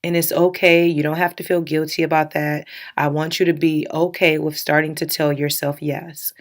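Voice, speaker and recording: A low-pitched woman in her thirties talks straight to her listeners on a self-help podcast. Her voice carries a slight morning rasp, and she speaks with candid, encouraging warmth, breaking into light laughs. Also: little pitch movement, normal speed. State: slightly raspy from early morning. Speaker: podcast host.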